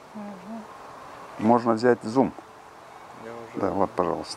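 A man speaks at a moderate pace in a dry sound with no echo and light background noise. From Moldova. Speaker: walnut farmer and orchard expert. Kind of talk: on-site instructional demonstration. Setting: outdoors in a garden plot. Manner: informal, explanatory. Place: garden. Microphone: phone near.

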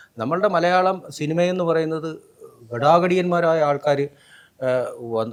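Here a man talks in a high voice. His pitch variation is ordinary. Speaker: film crew member. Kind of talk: casual interview. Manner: halting.

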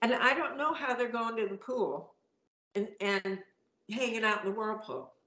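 A woman keeps a moderate pace but leaves long, frequent pauses, and the room echo is audible. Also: fairly high pitch for a woman, lively intonation. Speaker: panel guest. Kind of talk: casual chat. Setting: video call. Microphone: video call.

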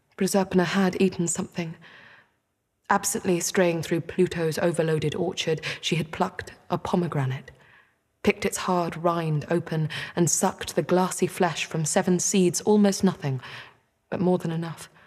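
Somewhat breathy and fairly low in pitch, a woman speaks at a moderate pace with fairly even intonation over a quiet background. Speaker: actor. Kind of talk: dramatic narration of myth. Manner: emotional, expressive. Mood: emotional, grave storytelling. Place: studio.

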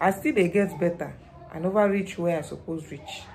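A woman speaks with a Nigerian accent at a fairly quick pace. Her pitch is fairly low, with light background noise behind her. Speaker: book reviewer. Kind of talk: casual talk to camera. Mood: emotional, reflective, subdued. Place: home room. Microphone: phone near.

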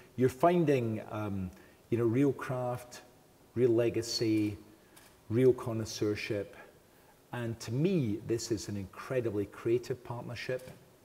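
A man at a fairly slow pace, with long, frequent pauses and ordinary pitch variation. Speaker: spirits industry expert. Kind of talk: casual chat. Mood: enthusiastic, appreciative. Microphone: lapel.

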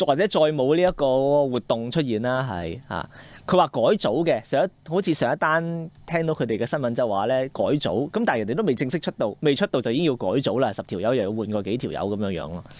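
A man speaks in a Hong Kong accent at a fairly quick pace. His pitch is medium, with very wide swings. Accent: Hong Kong Cantonese. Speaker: radio host. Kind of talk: casual chat.

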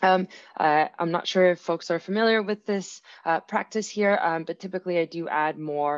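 A woman's fairly low pitch, a plain, everyday voice, fairly even intonation, a moderate pace and a quiet background. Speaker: workshop facilitator. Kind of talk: workshop presentation. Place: home room. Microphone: video call.

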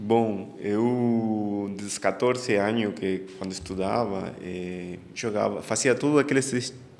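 With an Argentine accent, a man speaks at a very slow pace with hardly any pauses, ordinary pitch variation and big swings in loudness. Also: fairly low pitch for a man. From Argentina. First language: Spanish (speaking Portuguese). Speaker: professional cyclist; guest. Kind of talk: interview. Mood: relaxed, storytelling. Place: studio. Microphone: studio mic.

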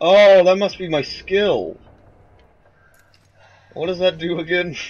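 Here a man speaks at a very slow pace with a high pitch. His intonation is monotone and flat. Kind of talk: casual let's play game commentary.

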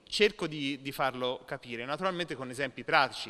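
The man's voice has a bright, sharp tone and lively intonation. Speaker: jurist and author. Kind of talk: public talk. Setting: stage with audience. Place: hall. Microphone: podium.

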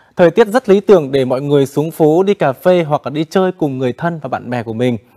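A man's lively, up-and-down delivery at a moderate pace over a quiet background. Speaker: presenter. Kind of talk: broadcast weather forecast. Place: studio.

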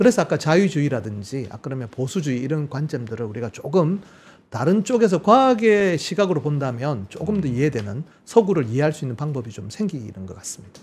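A man speaks at a fairly quick pace in a fairly high, somewhat breathy voice, his pitch swinging very widely and his loudness rising and falling sharply. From South Korea. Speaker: science historian and research institute head; guest. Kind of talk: educational talk show explanation. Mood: engaged, friendly explaining. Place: studio. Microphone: studio mic.

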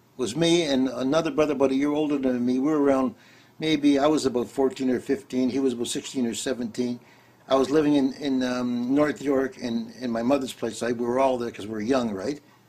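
A man speaks with a dark, mellow tone. His intonation is fairly even and his pace fairly quick. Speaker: interviewee. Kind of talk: interview answer, personal story.

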